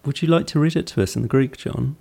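A man with a husky voice and plenty of fry acts as interviewer. He speaks casually and conversationally, at a middling pitch. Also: fast talker, mellow.

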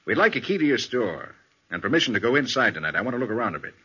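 Shrewd American detective: unflappable, animated intonation, bright forceful edge, dull 1940s radio recording. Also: male voice, mid-range voice, husky, full character voice. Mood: businesslike. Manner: brisk, probing questioner. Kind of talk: 1940s radio crime drama acting.

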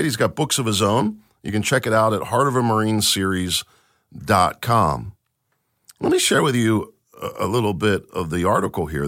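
Low-voiced guy hosting a podcast, lots of swing in his voice, dry close sound. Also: fairly bright tone, no room sound. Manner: emphatic, enthusiastic, with restarts. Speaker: podcast host. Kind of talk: solo commentary reading an article.

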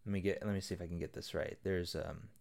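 A man's voice: low-pitched, steady tone, fast talker, vocal fry, a little mellow. A man, a guest on a film podcast, telling a joke in a rambling way and laughing as he goes. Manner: rambling storyteller, laughs at own jokes. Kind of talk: casual film podcast chat.

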